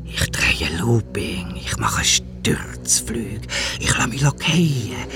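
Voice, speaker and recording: A man with a Swiss German accent voicing a proud, boastful male condor in low, hushed, drawn-out tones. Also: sing-song, in a whisper, music in the background.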